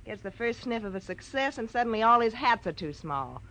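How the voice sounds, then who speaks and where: A woman's voice: a little high, sing-song, a little fast, sharp tone, exaggerated voice, low-quality recording. An actress playing a brassy, hot-tempered, tough-talking young girlfriend in a 1940s radio detective drama. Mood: defiant. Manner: slangy, tough-talking, defiant. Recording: old radio recording with background noise.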